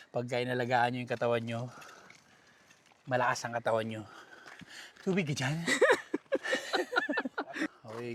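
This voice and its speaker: A man's voice: medium pitch, a little hiss or hum. A man hosting a casual hiking vlog, out of breath and joking as he talks to his viewers. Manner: joking, addresses viewers directly. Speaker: travel vlogger. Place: outdoor mountain trail.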